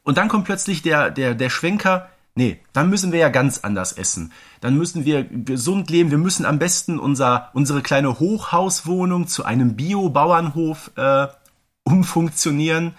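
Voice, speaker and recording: Higher-pitched man co-hosting a podcast. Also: animated, moderate pace. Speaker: podcast co-host. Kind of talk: casual fan podcast discussion.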